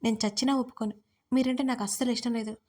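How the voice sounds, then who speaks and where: A woman's voice: a little high, fairly even intonation, racing, a little mellow, lightly acted. A woman voicing a frightened, tearful young bride in an audio story, pleading and defiant in turn.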